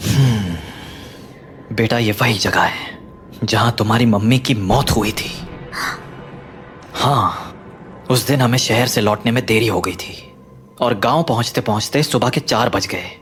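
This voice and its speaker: A man playing a grieving father who explains things solemnly and calmly. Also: lowish voice, a little slow, long pauses, faint music behind. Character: grieving father, grave and patient. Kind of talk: audio drama acting.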